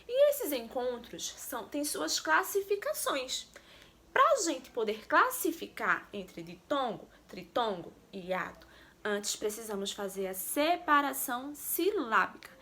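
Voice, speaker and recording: A woman's voice: fairly high pitch, very animated, a little slow, sharp tone. A woman teacher giving a remote lesson to young pupils, explaining step by step and often asking them questions. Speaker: primary school teacher.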